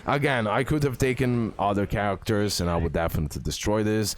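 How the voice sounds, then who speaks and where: A man giving casual, excitable gameplay commentary, repeating words and talking straight to his viewers. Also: fairly low pitch, fairly quick. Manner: excitable, repetitive, addresses viewers directly. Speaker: gaming content creator, host. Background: music.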